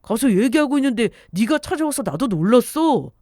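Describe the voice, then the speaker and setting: A woman's voice: a little high, sing-song, fairly quick, warm tone, no room sound, studio quality, voice pushed up. A woman voicing a defensive young husband, a mama's boy, in a story radio dialogue. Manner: pleading, defensive.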